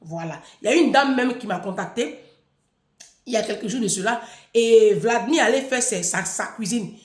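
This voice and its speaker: High-pitched woman scolding her followers. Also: animated, moderate pace, a little mellow, reverberant. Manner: scolding, emphatic, repeats words. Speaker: online personality addressing followers. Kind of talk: unscripted livestream monologue.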